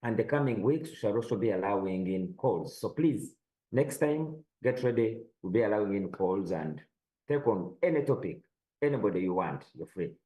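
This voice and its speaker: A man hosting a news roundup panel, moderating briskly. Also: fairly low pitch, animated, mellow, low-quality recording. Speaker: host.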